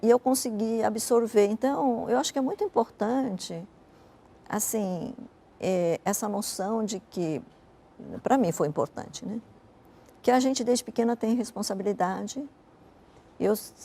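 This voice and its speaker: A woman's voice: medium pitch, moderate pace, gravelly, warm tone. An older woman who grew up in Japan and speaks natively, recalling her life in a reflective, conversational way during an interview. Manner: reflective storytelling, frequent "né" tags. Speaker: interview guest, businesswoman.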